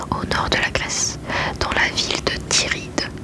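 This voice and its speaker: The words are whispered fairly slowly. Behind them, background noise is noticeable. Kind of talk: bedtime story reading.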